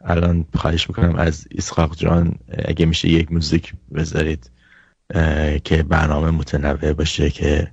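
A man hosting a talk show, thanking his guest and announcing music, polite and halting, repeating words. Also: a bass voice, completely flat delivery, creaky, darkish tone, slightly rough, no echo, muffled recording. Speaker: host.

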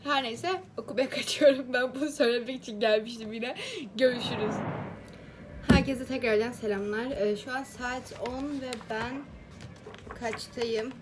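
A woman with a high, light voice chats to her viewers about the book she is reading. She talks in a lively, expressive way and addresses them like friends. A faint hiss sits under the recording. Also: moderate pace. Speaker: book vlogger. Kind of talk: casual reading-marathon vlog.

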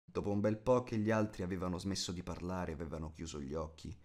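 A man's voice: low voice, fairly even intonation, quick pace, darkish tone. A man narrating a fantasy storybook as a scripted audiobook reading.

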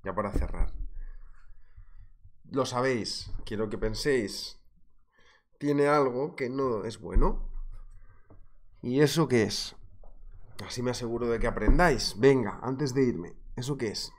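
A man's voice: mid-range voice, a little slow, pauses often, slight background noise. A man with a Spain Spanish accent who teaches trading in a live webinar, talking in a chatty, joking way and greeting viewers by name. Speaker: trading instructor. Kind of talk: live webinar, market analysis.

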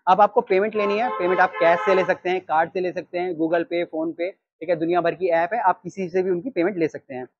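A man in his thirties with an Indian accent, teaching restaurant staff how to take orders in an animated way. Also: high voice, fairly quick, hardly any pauses, breathy edge, lo-fi sound. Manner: animated, gestures while reading from a sheet. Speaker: restaurant trainer. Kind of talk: training talk. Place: storefront of a small takeaway, outdoors. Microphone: lapel mic.

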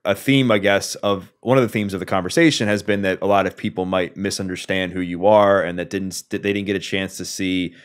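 A man in his thirties hosting a podcast interview, relaxed and casual with many filler words, on a studio mic. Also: sits low, a little fast, hardly any pauses, clean tone. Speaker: podcast host. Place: small room, video call. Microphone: studio mic on boom arm with headphones.

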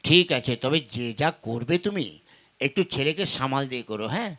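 A man's voice: medium pitch, expressive, fairly quick, background noise, natural voice. A man playing a worried, mild village husband who questions hesitantly in a folk puppet-show drama. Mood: worried, yielding.

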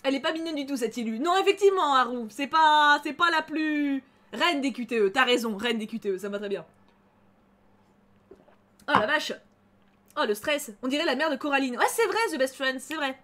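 A young woman narrating her own game playthrough in lively, chatty commentary. Her voice sits high, and she swings readily into excited squeals and groans. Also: normal speed. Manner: excitable, chatty, emotional reactions. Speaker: gaming channel host. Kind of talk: let's play commentary.

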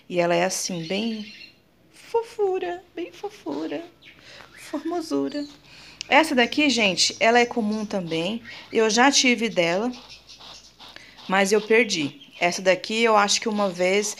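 A Brazilian woman hosts a relaxed show-and-tell vlog and talks at a middling pitch. She is chatty and fond, full of little pet words, and keeps calling out to her viewers. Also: gravelly, slight background noise. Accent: Brazilian Portuguese. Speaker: plant vlogger.

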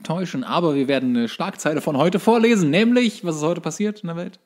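A man's voice: fairly high pitch, fast, darkish tone. A man co-hosting a podcast, chatting casually in a wry, joking and sarcastic way. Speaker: podcast co-host. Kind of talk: casual chat.

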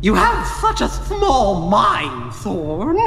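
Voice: medium pitch, huge pitch swings, drawn-out words, vocal fry, fairly bright tone, echoey room, big-room sound, a little hiss or hum, pitched above the performer's own voice, full character voice. A game master voicing a haughty, gloating villain who schemes and lectures an underling in a fantasy audio game.

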